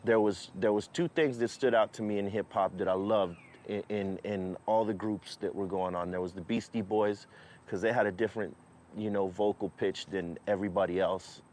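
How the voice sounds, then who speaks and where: Male artist, lowish voice, loose conversational recollection. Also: a little mellow, a little hiss or hum. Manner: conversational, many fillers and restarts. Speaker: hip-hop artist. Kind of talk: interview recollection.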